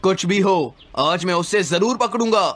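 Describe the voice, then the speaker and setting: A tough schoolboy bully played by an actor in a dubbed cartoon, barking orders and threats. The delivery is blustering and bossy, with loud music underneath. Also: mid-range voice, moderate pace, lightly acted. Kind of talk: Hindi-dubbed children's cartoon acting.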